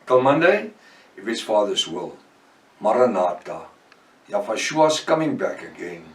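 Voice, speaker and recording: A man's voice: on the low side, wildly swooping pitch, measured pace. A man with an Afrikaans accent, preaching a fervent Bible-study sermon with prayers. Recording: echoey room, voice from far off.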